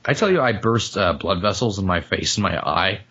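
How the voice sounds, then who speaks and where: Hoarse joking man with a lo-fi sound. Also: low voice, expressive, normal speed, sharp tone. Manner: joking, rambling, laughs often. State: hoarse, voice cutting out after flu. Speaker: podcast co-host. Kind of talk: casual comedic chat.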